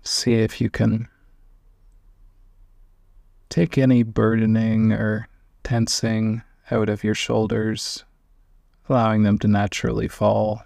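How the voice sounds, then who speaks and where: A man guiding a meditation, giving gentle invitations with long pauses between phrases. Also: lowish voice, monotone, gravelly, no echo, clean studio sound. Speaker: meditation guide. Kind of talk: guided meditation.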